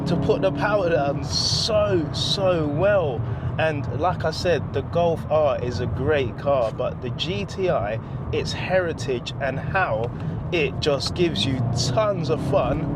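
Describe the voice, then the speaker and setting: Chatty man driving a car. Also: mid-range voice. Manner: chatty, enthusiastic, self-joking. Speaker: car reviewer. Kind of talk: casual driving review. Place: inside a car while driving in the wet. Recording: road and rain noise from the car.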